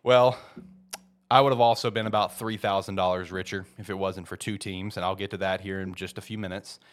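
A man's voice: sits low, fairly even intonation, brisk. A congested man with a head cold hosting a casual sports talk show, rambling with many fillers and restarts and bursting into emphatic peaks. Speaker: podcast host.

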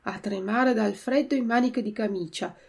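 A woman teacher reading a story aloud slowly, giving different voices to the characters, then going through a word glossary. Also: fairly high pitch, background noise.

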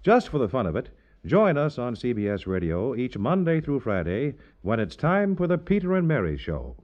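A man's voice: mid-range voice, huge pitch swings, moderate pace, darkish tone. A man doing scripted 1950s radio announcing in a polished, salesmanlike manner. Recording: dull 1950s radio recording.

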